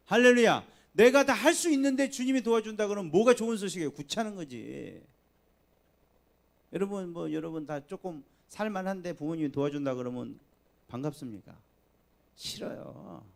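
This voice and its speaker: A man preaching a sermon in a church. He swings between soft, low asides and loud, emphatic appeals to the congregation. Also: vocal fry. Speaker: pastor. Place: church sanctuary.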